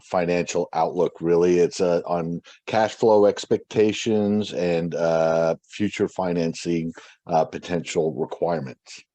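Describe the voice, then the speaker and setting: Low-voiced man moderating investor questions. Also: steady tone, measured pace, mellow, dry recording. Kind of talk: reading out questions on an earnings call.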